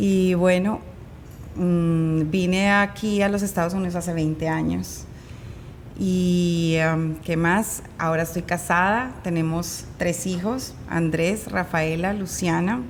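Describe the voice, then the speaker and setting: A woman's fairly low pitch at a very slow pace, with fairly even intonation and audible room echo. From Colombia, Manizales. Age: 50s. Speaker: pastor. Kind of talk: testimony.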